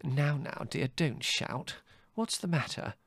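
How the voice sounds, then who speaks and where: A flustered middle-aged English mother from a storybook, voiced by a man. The voice is lifted well above a man's usual pitch, weak and plaintive, gently scolding and soothing in a dry, close recording. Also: slow pace, creaky, dry recording, full character voice. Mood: anxious, placating.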